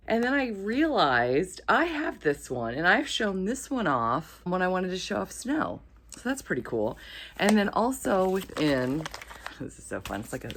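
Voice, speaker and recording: A woman hosting a book channel, chatting to camera in an enthusiastic, gushing and playful way. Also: lowish voice. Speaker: host of a romance book channel. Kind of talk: excited casual book vlog to camera.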